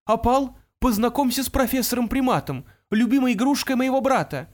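A male audiobook reader voicing a cool-headed teenage boy genius who speaks calmly and in a measured way. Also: extremely high pitch, pitched above the performer's own voice. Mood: defiant. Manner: calm, measured. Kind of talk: audiobook character voice.

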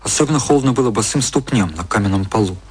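A man's voice: lowish voice, fast talker. A man reading scripted narration for a radio drama. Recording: roomy echo. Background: music.

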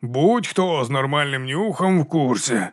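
A man voicing a sardonic aristocratic baron who drawls slowly and mockingly. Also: medium pitch, no room sound, natural voice. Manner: slow, dry and mocking.

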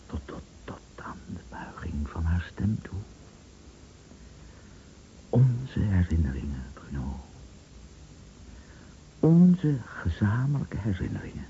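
Brooding, bedridden husband, lowish voice with wide swings, halting radio-drama delivery, dull old recording. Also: male voice, creaky, mellow, a little hiss or hum, full character voice. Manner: halting, repeating words, dropping to whispers. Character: anguished bedridden husband, brooding, jealous, waiting for news. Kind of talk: Dutch radio play acting.

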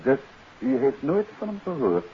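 An actor playing a calm, assured gentleman detective and considerate husband, with a composed, courteous, probing manner in a 1950s radio drama. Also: medium pitch, normal speed, natural voice. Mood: businesslike. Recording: muffled, hissy old radio recording.

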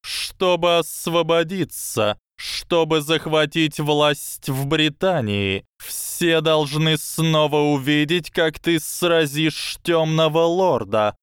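Man doing a sly hissing snake, higher and louder than his own voice, slow and lecturing, crisp dry recording. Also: dry recording. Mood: scheming. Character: sardonic scheming male snake, cunning mentor. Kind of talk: audiobook character voice.

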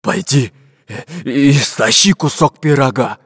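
A man voicing a grumpy, bossy male robber captain with a gruff, grumbling delivery. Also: mid-range voice, a little slow, dry recording, clean studio sound, in a large hall.

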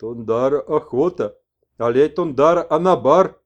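A man voicing an old toothless shaman messenger who speaks in broken phrases and loud chanted exclamations. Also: medium pitch, measured pace, highs cut off, lightly acted. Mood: chanting.

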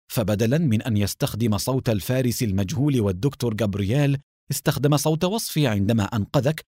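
A man's voice: mid-range voice, darkish tone, no room sound, studio quality, lightly acted. A man voicing an anxious young woman on a team, raised and pleading, in a storybook reading. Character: frightened young woman teammate.

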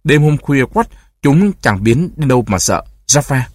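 A man voicing a male resort guest who calls out loudly, with a husky voice. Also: mid-range voice, very animated, normal speed, no echo, studio quality. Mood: calling. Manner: calling out loudly.

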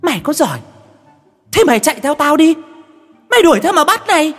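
A man's voice: big pitch swings, brisk, soft background music, exaggerated voice. A man voicing a mocking ghost that taunts from a distance. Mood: taunting. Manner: high taunting shouts.

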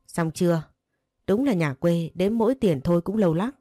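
A woman's voice: on the low side, animated, normal speed, dark tone, dry recording, clean studio sound. A woman narrator voicing a haughty, scornful rich older woman who talks down to a poor girl, with faint music behind. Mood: impatient. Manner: scornful and impatient.

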